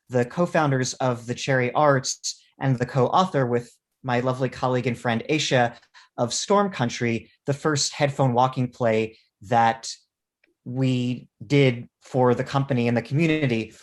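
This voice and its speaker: A man with a medium-pitched voice talks as an academic panelist. He speaks conversationally over a video call, in the manner of a professor introducing his work.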